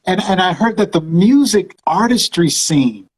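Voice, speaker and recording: A man's voice: high voice, animated, a little slow, echoey room, poor audio. A man hosting a live video-call interview, effusive, calling his guest "brother" and "man". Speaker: show host.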